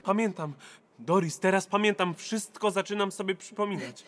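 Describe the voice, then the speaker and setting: Earnest, higher-voiced anxious man. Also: moderate pace, a bit bright. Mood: moved, hesitant. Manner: earnest, troubled, searching. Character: earnest, anxious male musician-archivist of the future. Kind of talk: radio drama acting.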